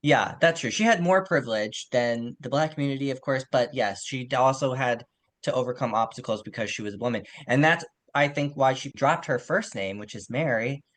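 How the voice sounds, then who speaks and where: Male podcast co-host, average register, measured explanatory delivery for informal literary talk. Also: medium pitch, fairly bright tone. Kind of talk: conversational literary discussion.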